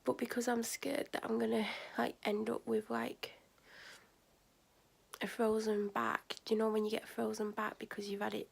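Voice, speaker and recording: Exhausted, husky woman. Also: fairly high pitch, monotone, moderate pace. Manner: tired, rambling, many "like" fillers. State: sick, exhausted, sore throat. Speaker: vlogger. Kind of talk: casual vlog chat. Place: bedroom at night, then out by a shop.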